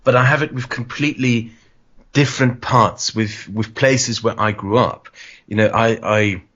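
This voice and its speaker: A man's voice: medium pitch, steady tone, unhurried, a bit bright. A man who grew up in Wales, a guest in a casual discussion, talking thoughtfully and repeating phrases as he works through a point. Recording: muffled lo-fi audio.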